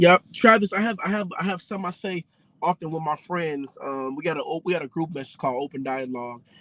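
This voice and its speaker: A man speaks at a fairly quick pace with a fairly high pitch. His pitch varies in an ordinary way, and the sound is dry and close with no echo. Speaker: signed singer. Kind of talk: casual chat.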